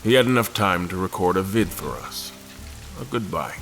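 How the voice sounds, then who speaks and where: A low male voice plays a world-weary admiral in an audio drama. He recounts a haunting ordeal with formal, measured courtesy over faint music. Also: lively intonation, gravelly, fairly bright tone, heavily acted. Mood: somber. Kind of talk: first-person audio drama narration with dialogue.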